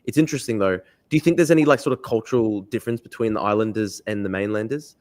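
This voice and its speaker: A man's voice: lowish voice, fast talker, darkish tone. A man hosting a podcast interview, rambling in a casual way and filling his speech with "like". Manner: rambling, heavy use of "like". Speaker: podcast host.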